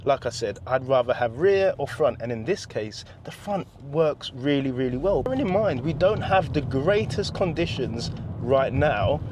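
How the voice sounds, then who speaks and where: A middle-aged man gives a casual review of a car while driving it in the wet, chatty and enthusiastic, with a joking, self-mocking manner. His medium-pitched, darkish voice has lively intonation at normal speed. Road and rain noise from the car fill the background.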